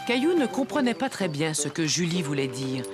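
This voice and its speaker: A slightly low, very expressive storybook narrator. She tells a children's cartoon tale gently and simply, with music underneath. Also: normal speed. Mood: storytelling. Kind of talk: scripted narration for French-language children's cartoon.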